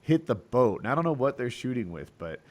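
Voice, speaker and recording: A man's voice: medium pitch, very animated, fairly quick. Guy rambling on a podcast, voice jumps all over, lots of um and uh. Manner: rambling, hesitant, many restarts. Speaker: podcast co-host. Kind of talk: casual podcast banter.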